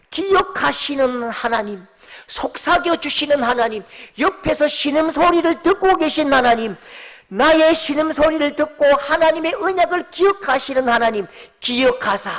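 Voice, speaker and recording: A male pastor delivering a sermon, moving from loud exclamations to hushed whispers. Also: very high-pitched. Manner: impassioned preaching, swings between loud exclamations and hushed whispers. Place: church sanctuary. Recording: long hall reverb.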